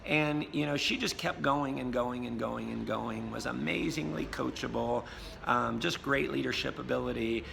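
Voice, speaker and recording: Hoarse american guy, super gravelly and bright, echoey hotel lobby, upbeat chatty host. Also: mid-range voice, normal speed. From United States. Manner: enthusiastic, upbeat, many fillers. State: hoarse, has lost his voice. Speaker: host and network marketing coach. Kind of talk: casual video blog interview. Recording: reverberant space with faint noise.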